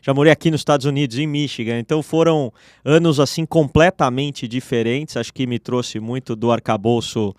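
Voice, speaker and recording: A man in his forties speaks as a guest on a radio show, his voice in a middle range. He tells his story in a relaxed, personal way. The studio sound is dry. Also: mid-range voice, a little fast, no room sound. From Brazil. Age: 40s. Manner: relaxed, personal, with restarts and fillers. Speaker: guest, entrepreneur. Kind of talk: interview storytelling.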